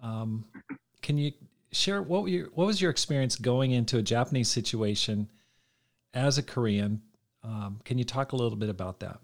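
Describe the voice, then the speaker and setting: Podcast host, middle-pitch voice, keeps saying wow and right, encouraging. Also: normal speed. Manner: encouraging, with frequent affirmations. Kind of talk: casual interview questions.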